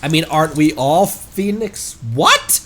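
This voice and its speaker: A man doing casual live gaming commentary as a streamer, talking in an excitable, rambling way. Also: on the high side, a little slow, slight background noise. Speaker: game streamer.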